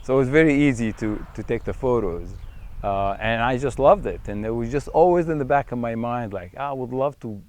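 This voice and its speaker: A middle-aged man from Syria, a wildlife photographer, talking in a reflective, unhurried way in a profile interview, with frequent fillers and restarts. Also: mid-range voice, a little mellow.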